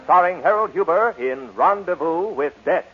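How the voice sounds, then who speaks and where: A man's voice: high voice, animated, moderate pace. An American man announcing a programme in a dramatic old-time radio style. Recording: muffled old radio recording. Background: loud brass music.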